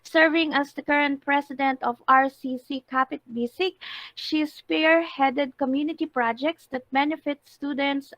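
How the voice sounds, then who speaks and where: High-voiced woman moderating an online class. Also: a bit bright, dry recording, low-quality recording. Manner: reads speaker introductions formally. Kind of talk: formal event hosting.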